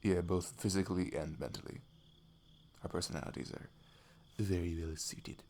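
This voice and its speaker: A man playing a shy, affectionate young best friend in an intimate ASMR roleplay, speaking softly and haltingly with a giggly manner. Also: deep voice. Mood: tender, content. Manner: halting, giggly, soft-spoken. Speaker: audio roleplay performer. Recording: faint noise, night crickets behind. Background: crickets and night insect ambience.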